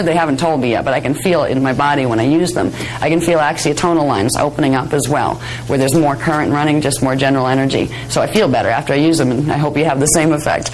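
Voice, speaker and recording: Female workshop instructor, lowish pitch, a little hoarse, conversational delivery, faint noise in the recording. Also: darkish tone, poor audio. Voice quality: slightly hoarse, raspy. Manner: conversational, chatty, self-deprecating asides. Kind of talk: informal workshop lecture with demonstration. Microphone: worn or held microphone close to the face.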